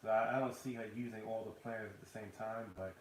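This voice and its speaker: A man co-hosting a casual livestream, reading out viewer questions in a halting, joking way. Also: on the low side, fairly even intonation. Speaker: co-host, host's partner. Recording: roomy, distant, clear background noise.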